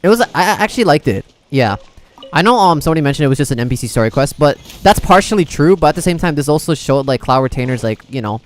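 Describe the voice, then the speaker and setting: A man's voice: on the high side, very animated, fast, soft background music. Casual rambling male game streamer. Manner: rambling, thinking aloud. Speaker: game livestreamer. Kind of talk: casual live game commentary, chatting with viewers.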